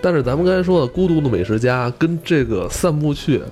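A man, co-hosting a podcast in a relaxed, chatty way with mild swearing. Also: on the high side, quick pace, faint music behind. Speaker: podcast co-host. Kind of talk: casual podcast chat.

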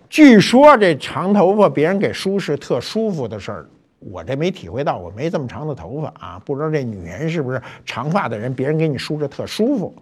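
Older man telling history with lively pitch. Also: breathy edge. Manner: chatty, colloquial, lively asides. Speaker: host. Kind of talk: storytelling talk show.

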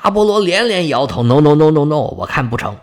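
Brief: sly, teasing god, husky, lively, as a male storyteller puts him on. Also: fairly high pitch, a little fast. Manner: teasing, dismissive.

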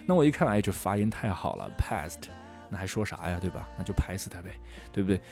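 A middle-aged man teaching how to memorize English words, lively and full of rhetorical questions. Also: low voice, vocal fry. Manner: lively, rhetorical questions, often asks "right?". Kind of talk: lecture on memorizing vocabulary.

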